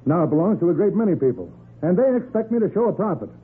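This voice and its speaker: A man's voice: sits high, sing-song, quick pace, husky, narrow, tinny audio, full character voice. A man playing an irritable, tight-fisted department store president, pompous and curt, in 1940s radio style on an old recording. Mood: indignant.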